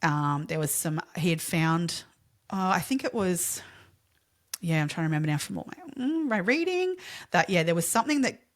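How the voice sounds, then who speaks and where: A woman's voice: sits low, lively intonation, moderate pace. An Australian woman co-hosting a casual true-crime podcast, explaining details with frequent fillers and restarts. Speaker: podcast co-host.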